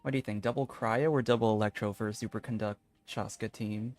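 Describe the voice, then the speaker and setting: A man's voice: fairly low pitch, fairly even intonation, fairly quick, a little mellow, no room sound. A man live streaming a video game, chatting casually and rambling as he thinks aloud. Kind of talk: casual gaming stream chat.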